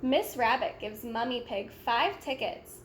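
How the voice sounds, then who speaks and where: A woman reading a children's storybook aloud in a deliberate, simple way for young listeners. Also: on the high side. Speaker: storybook read-aloud reader. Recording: echoey room with faint background noise.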